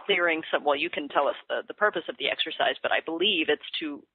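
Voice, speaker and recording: A woman's voice: sits low, fast, breathy edge, no echo. A woman hosting a conversational webinar over a call line. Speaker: host. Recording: band-limited phone call audio.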